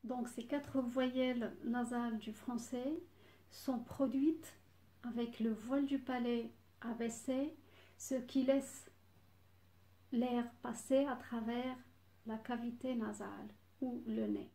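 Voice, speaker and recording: A woman lecturing on phonetics, talking slowly and deliberately and pausing to list examples. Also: a little high, warm tone. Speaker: university lecturer. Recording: echoey room.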